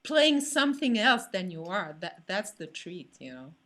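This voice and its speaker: A woman's voice: medium pitch, big pitch swings, normal speed, a bit bright. A French woman with a French accent, an actor speaking hesitantly in a casual panel discussion and searching for her words. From France. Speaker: actor in a children's theatre company.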